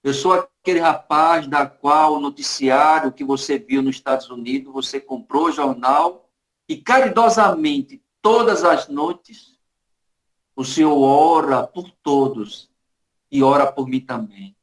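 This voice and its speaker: A man voicing the grateful spirit of a young man who took his life, speaking softly and consolingly. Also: fairly high pitch, unhurried, roomy sound, pitched below the performer's own voice, natural voice, rough recording. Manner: soft, consoling, pleading. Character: grateful male spirit of a young suicide, gentle.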